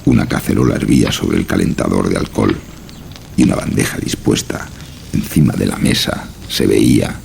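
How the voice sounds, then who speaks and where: A man's voice: a bass voice, moderate pace, gravelly, darkish tone, slight background noise. A man narrating a scripted horror story. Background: music.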